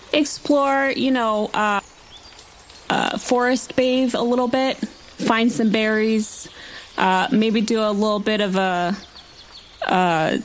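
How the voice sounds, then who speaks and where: A woman plays a tabletop role-playing game, thinking aloud in halting, casual improvisation. She speaks slowly at a middle pitch, with a little background noise. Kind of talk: casual improvised character description.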